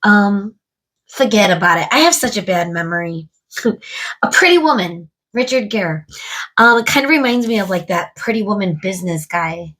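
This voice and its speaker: Woman tarot reader, husky and stuffed up, chatty musing delivery. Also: mid-range voice, animated, moderate pace, fairly bright tone. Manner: musing aloud, addressing spirit and viewers. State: stuffed up from a cold. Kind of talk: casual tarot card reading to camera.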